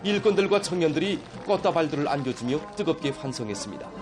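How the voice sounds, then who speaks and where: North Korean newsreader, higher-pitched male voice. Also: expressive, quick pace. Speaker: news reporter narrator. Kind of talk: scripted news narration. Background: faint music.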